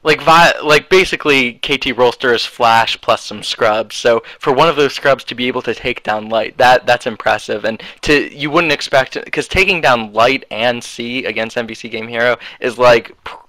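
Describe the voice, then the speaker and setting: A man's voice: medium pitch, normal speed, hardly any pauses, bright, forceful tone, no echo, rough recording. A young man giving casual, rambling game commentary with lots of fillers and hedges, on a headset mic. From United States. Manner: rambling, hedging, many fillers. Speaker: esports commentator.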